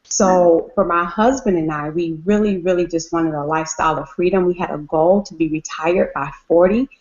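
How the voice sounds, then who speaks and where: A woman in her late thirties speaks upbeat and earnest, often stressing words twice, in a lowish voice. The video call audio sounds dull and lo-fi. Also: fairly even intonation, normal speed, darkish tone. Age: 30s. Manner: upbeat, repetitive emphasis. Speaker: guest mother. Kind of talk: casual call chat.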